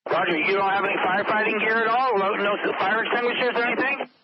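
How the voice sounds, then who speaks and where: A man's voice: high voice, steady tone, quick pace. A man working as a coast guard radio operator on marine radio, using clipped radio procedure and asking urgent questions. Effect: marine VHF radio transmission. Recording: muffled radio with static.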